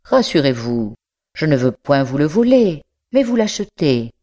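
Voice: medium pitch, big pitch swings, measured pace, warm tone. A reader voicing a fervent young nobleman student. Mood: courteous. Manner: courtly, insistent, rising to fervor. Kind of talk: audiobook character reading.

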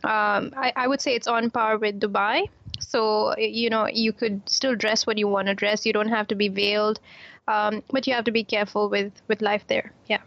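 A woman's voice: medium pitch, level tone, normal speed, vocal fry, a bit bright, no echo, dull audio. A woman from Kuwait, an author and doctor, answering interview questions in a chatty way, with fillers and repeated words.

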